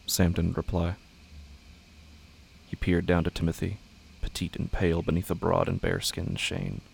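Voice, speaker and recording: Low, gravelly man narrating in an even tone. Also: moderate pace, slight background noise. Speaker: narrator of a horror audio drama. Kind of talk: scripted dramatic narration.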